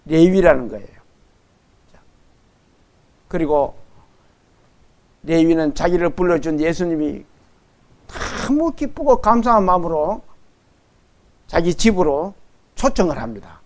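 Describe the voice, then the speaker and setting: A man's voice: fairly high pitch, lively intonation, unhurried, pauses often. A middle-aged man preaching a sermon as pastor, leading his congregation through Bible readings.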